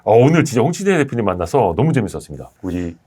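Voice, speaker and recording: A male host leads a finance interview. His speech runs quick, and his pitch moves a lot. He banters playfully with his guest. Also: big pitch swings, mellow, breathy edge. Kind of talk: interview, casual chat.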